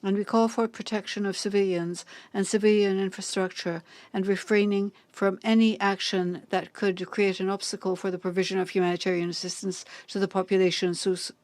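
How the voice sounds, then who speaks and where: A woman simultaneously interpreting formal diplomatic speeches, measured and deliberate, pausing on hesitant fillers. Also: mid-range voice, darkish tone, no room sound. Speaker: conference interpreter.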